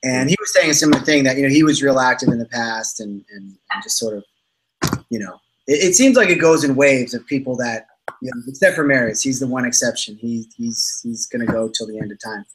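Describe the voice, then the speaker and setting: A man's voice: mid-range voice, brisk, slight background noise, poor audio. A man co-hosting a casual live podcast, joking and laughing often as he chats with guests. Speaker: podcast co-host.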